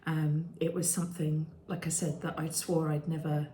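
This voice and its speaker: A British woman in her fifties, vlogging candidly with many ums and restarts and a voice that turns croaky at times. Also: low voice, little pitch movement, normal speed, warm tone, a little hiss or hum. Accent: British English. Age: 50s. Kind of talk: candid personal vlog. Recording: echoey room.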